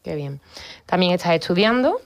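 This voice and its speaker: Low-voiced woman radio host. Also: big pitch swings, normal speed. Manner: friendly, encouraging with short prompts. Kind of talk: radio interview. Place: radio studio.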